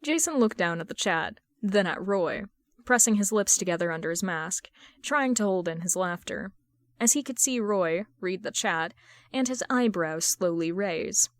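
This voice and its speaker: A woman's voice: medium pitch, lively intonation, normal speed, dry recording, studio quality. A woman reading fan fiction aloud as a narrator. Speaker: podfic narrator.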